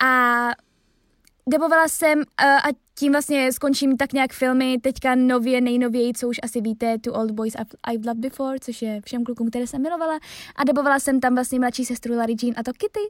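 Young female voice actress, high-pitched, chatty and reflective, close dry studio sound. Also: steady tone, dry recording. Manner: chatty, reflective, often trails off. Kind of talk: casual chat about her dubbing roles.

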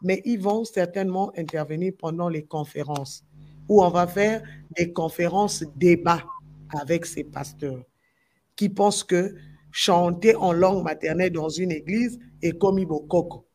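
A woman's voice: fairly low pitch, unhurried, a little mellow, a little hiss or hum. Woman, Congolese French accent, gospel musician, emphatic, repeats phrases, talk-show discussion. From Democratic Republic of the Congo.

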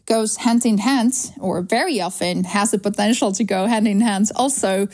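A woman in her thirties from Slovakia with a Slovak accent, answering interview questions in an earnest, measured way with frequent fillers. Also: medium pitch, darkish tone. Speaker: guest, sustainability consultancy founder.

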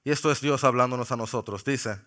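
Bright-voiced pastor preaching. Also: male voice, mid-range voice. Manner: playful, jokes with the congregation; slows for emphasis on key words. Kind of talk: sermon. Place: church sanctuary.

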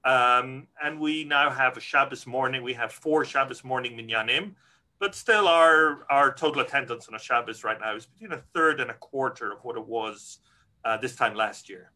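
A man's voice: mid-range voice, pushed and bright. A middle-aged man from Scotland, a rabbi answering interview questions earnestly and frankly, with many restarts.

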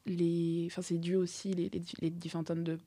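A woman's voice: fairly low pitch, level tone, fairly quick, warm tone, dry recording. Hesitant woman host from Cameroon, dry sound. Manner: hesitant, many fillers and restarts. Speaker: podcast host. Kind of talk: casual conversation.

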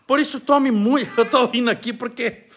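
A man with a Brazilian accent giving an emphatic, animated talk on a live stream from home, with laughing asides. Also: very high-pitched, normal speed. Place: home, caring for his child.

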